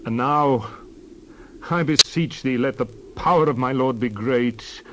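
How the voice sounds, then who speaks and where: A man's voice: medium pitch, unhurried, very noisy, natural voice. A man playing an earnest prophet-leader in a dramatized scripture reading, emphatic and oratorical. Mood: pleading. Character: Moses, earnest male leader pleading and exhorting.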